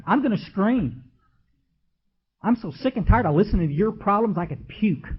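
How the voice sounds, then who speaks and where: A man, giving an emotional recovery talk from a podium and speaking straight to the crowd in a folksy way. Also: fairly high pitch. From Texas. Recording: dull lo-fi archival tape.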